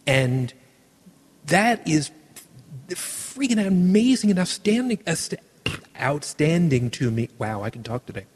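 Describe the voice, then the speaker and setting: A man hosting a casual podcast chat, talking with animated enthusiasm and frequent restarts. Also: on the high side, takes it slowly, husky, in a large hall. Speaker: podcast host.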